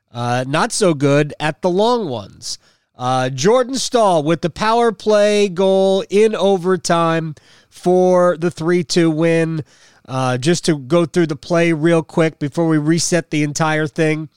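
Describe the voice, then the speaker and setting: A man hosting a sports podcast, giving casual post-game commentary in a halting way with drawn-out, emphatic pauses. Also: high-pitched, smooth, no room sound, clean studio sound.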